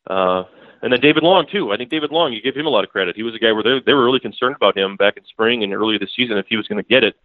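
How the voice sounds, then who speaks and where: A man's voice: fairly low pitch, dry recording. Man talking football over a tinny phone. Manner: fast, rambling, lots of restarts and fillers. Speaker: sports beat writer guest. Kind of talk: casual sports analysis. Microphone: phone call. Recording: tinny dry phone line.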